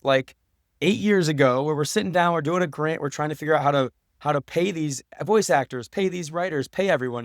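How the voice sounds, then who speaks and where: Male podcast guest, slightly higher-pitched, dry close sound, informal and sincere, conversational answers full of "you know". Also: no echo. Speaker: podcast guest, professor and documentary maker. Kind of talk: casual conversational interview answers.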